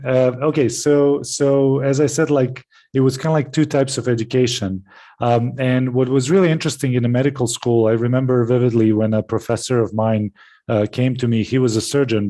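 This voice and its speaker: A man from Serbia, giving a presentation over a video call, full of pauses, fillers and restarts. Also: mid-range voice, dark tone. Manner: hesitant, many fillers and restarts. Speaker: webinar presenter. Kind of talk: online presentation. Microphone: video call with headset.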